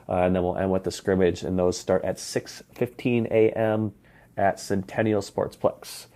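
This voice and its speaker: A young man talks through his hockey podcast in a deep, even voice that barely rises or falls. His tone is dark and mellow. He rambles casually and fills pauses with ums and you knows. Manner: relaxed, rambling, many fillers. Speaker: hockey coach and podcast host. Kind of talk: casual solo podcast talk.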